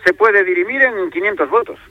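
A man's voice: high voice, fairly quick, no room sound, lo-fi sound. A man with an accent from Spain giving his opinion in a sports debate, emphatic and repeating phrases for effect. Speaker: football pundit.

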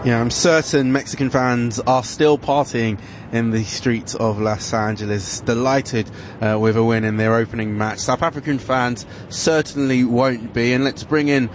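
A man presenting a sports news report and questioning guests, brisk with some fillers. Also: medium pitch, fairly even intonation, background noise. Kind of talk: broadcast presenting and interviewing.

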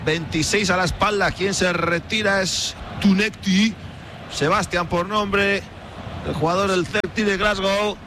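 Fast-calling Spanish play-by-play man. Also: high voice, fairly even intonation. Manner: rapid-fire calls in bursts during action. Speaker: play-by-play commentator. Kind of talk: live football commentary. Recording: noisy broadcast with background hum.

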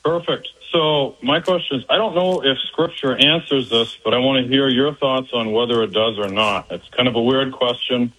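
A man's voice: mid-range voice, normal speed, hardly any pauses, a bit bright. A man calling in to a radio show over the phone, asking his question casually and thinking aloud as he goes. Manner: curious, thinking aloud as he asks. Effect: phone call on the radio. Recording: tinny phone line.

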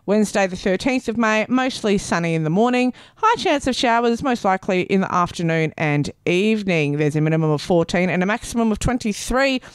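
A woman's voice: medium pitch, lively intonation, brisk, few pauses, clean tone, no room sound. A woman in her thirties with an Australian accent, hosting community radio in a playful, self-mocking way. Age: 30s. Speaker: radio host. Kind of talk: community radio chat and weather read. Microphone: studio microphone.

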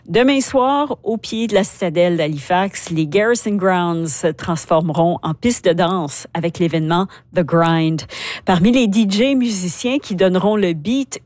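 A woman's voice: medium pitch, a little mellow, dry recording. A woman presenting radio news, reading a script.

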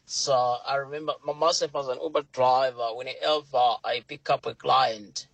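A man's voice: medium pitch, fairly even intonation, normal speed, creaky, a bit bright, dry recording, rough recording. A man from Malawi, an Uber driver, calling a radio show in earnest. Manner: earnest, repeats himself. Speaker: caller. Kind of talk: phone-in comment.

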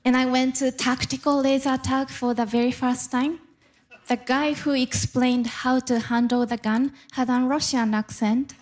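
A woman from Japan with a noticeable Japanese accent performs stand-up before a live crowd, unhurried and deliberate in her delivery. Her voice sits a little high, and she teases the audience in a playful way. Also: steady tone. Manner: playful, crowd work with laughs. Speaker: stand-up comedian. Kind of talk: stand-up set. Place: live comedy venue with audience.

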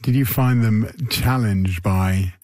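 Male host, low voice, mellow tone, dry sound, conversational questions. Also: no echo. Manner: conversational, reflective, halting restarts. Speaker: interviewer host. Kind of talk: interview.

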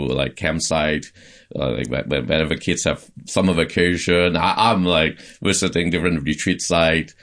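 Super deep-voiced pastor guy from hong kong, lots of uhs and restarts, chatting on a podcast. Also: a bit bright. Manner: hesitant, many fillers and restarts. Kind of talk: casual conversational interview.

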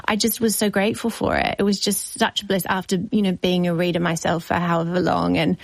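A woman's voice: lowish voice, flat delivery, brisk, gravelly, no echo, poor audio. A woman, a novelist talking in a reflective radio interview, effusive and thinking aloud with many asides. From New Zealand.

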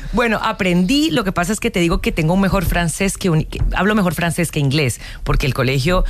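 A Colombian woman in her forties, an actress speaking casually in an interview, telling her story in a lively way with frequent restarts and long lists. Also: fairly low pitch, fast, slight background noise. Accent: Colombian Spanish.

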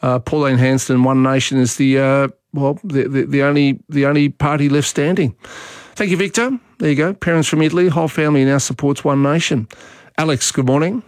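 An Australian man hosting a morning talkback show, moving quickly between callers and his own views. His voice sits at an ordinary pitch. The studio is completely dry. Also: fairly even intonation, no echo. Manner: brisk, opinionated, takes calls. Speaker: talkback radio host. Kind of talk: talkback radio. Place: radio studio.

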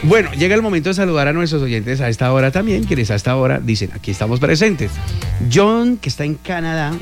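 A man's voice: a little high, very animated, fast talker, soft background music. A man hosting a casual morning radio show, reading out listener messages in an upbeat way. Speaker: radio host.

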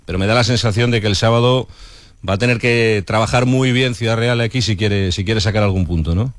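A man's voice: lowish voice, brisk, no echo. A male sports radio interviewer asking questions in a conversational way, often ending with tag questions.

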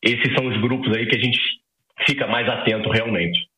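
A man's voice: medium pitch, steady tone, moderate pace, bright, forceful tone, echoey room, low-quality recording. A Brazilian man in his forties, an ophthalmologist explaining things simply with everyday comparisons. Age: 40s. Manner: explains with everyday analogies, adds "tá?" tags. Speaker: ophthalmologist guest. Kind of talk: explaining to a lay audience in a radio interview.

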